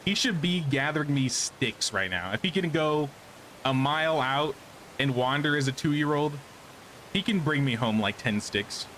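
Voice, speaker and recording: A man's voice: fairly high pitch, lively intonation, moderate pace, a bit bright, slight background noise, rough recording. A man casually commenting on his gameplay during a live stream, thinking aloud and answering chat questions.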